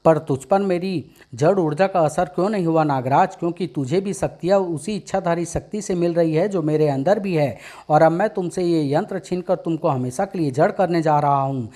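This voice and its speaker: A man's voice: a little high, normal speed, hardly any pauses, mellow, lightly acted. A gloating invisible supervillain from a narrated comic story, voiced by a man. He brags about his schemes and threatens with plain menace. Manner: boastful, menacing.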